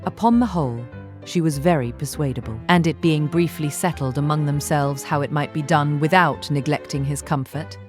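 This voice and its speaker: A woman reading a literary audiobook as narrator, measured and articulate. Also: deep voice, soft background music.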